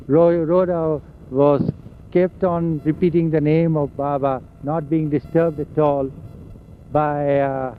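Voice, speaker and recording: An older man, slowly recalling old memories in an oral history interview, with a loud voice. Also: a little high. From India. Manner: slow, halting storytelling of memories. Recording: dull lo-fi recording with faint hiss and vehicle sounds.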